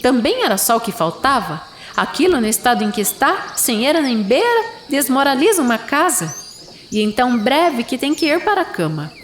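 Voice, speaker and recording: A woman's voice: high-pitched, sing-song, normal speed, echoey room. Sneering old female innkeeper played by a woman, grudging and dismissive, audio drama with background noise. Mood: scornful, grumbling.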